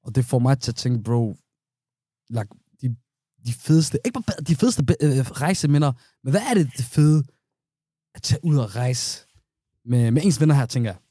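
A man's voice: mid-range voice, expressive, warm tone, no room sound, clean studio sound. Young man teasing in casual chat. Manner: teasing, playful.

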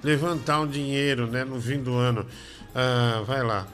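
A man's voice: mid-range voice, steady tone, a little slow, fairly bright tone. A man hosting a casual live show, joking and teasing. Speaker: host. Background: music playing.

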